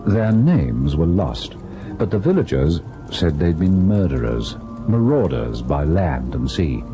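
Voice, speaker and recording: An actor playing an educated, earnest husband who narrates a ghost tale in old-time radio style, expressive and at times hesitant. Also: male voice, very deep voice, measured pace, music in the background, heavily acted. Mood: brooding, reflective. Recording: noisy vintage radio recording.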